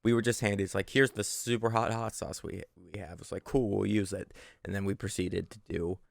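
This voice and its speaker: A man's voice: on the low side, fairly even intonation, brisk, vocal fry, no echo, clean studio sound. A young man co-hosting a casual podcast from his living room, telling stories in a rambling, self-correcting way. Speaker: podcast co-host.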